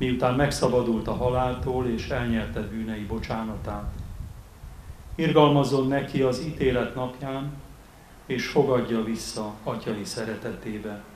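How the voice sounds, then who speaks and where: A man speaks at a fairly slow pace with fairly even intonation. Light background noise and audible room echo are present. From Hungary. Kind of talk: funeral liturgy. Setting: funeral ceremony at a cemetery. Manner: formal. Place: open country.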